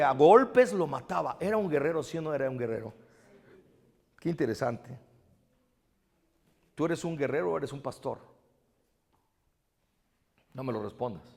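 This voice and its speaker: A man giving a lively storytelling sermon, often questioning his audience. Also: a little high, vocal fry. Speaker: parish speaker. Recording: long reverb of a big hall.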